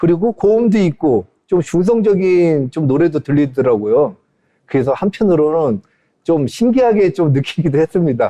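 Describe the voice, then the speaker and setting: A man talks at a moderate pace in a high voice, his intonation lively and his loudness very even. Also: dry, close sound with no echo. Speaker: singer and actor. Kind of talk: interview. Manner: hesitant, many fillers.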